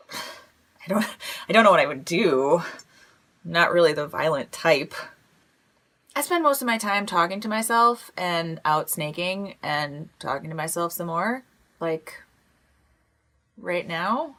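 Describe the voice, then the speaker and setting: Animated, awkward lone wasteland broadcaster woman. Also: fairly low pitch. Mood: awkward, wry. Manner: awkward, self-deprecating, dramatic pauses. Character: wry, rambling lone female radio broadcaster and amateur investigator. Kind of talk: comedic audio drama monologue.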